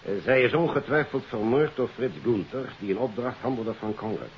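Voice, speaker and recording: An actor playing a formal, earnest police detective in the style of a 1950s radio drama. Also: male voice, mid-range voice, normal speed, lightly acted. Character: grateful, formal male German police detective. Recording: dull, hissy 1950s radio recording.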